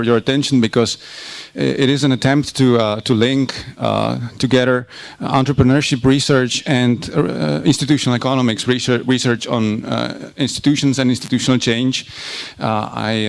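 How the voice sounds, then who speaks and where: A man gives an academic conference talk, pausing often and repeating words before he goes on. His voice has a gravelly, creaky edge at a mid pitch. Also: steady tone, no room sound. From Czech Republic. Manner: halting, often repeats words while searching for them. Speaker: university lecturer presenting research.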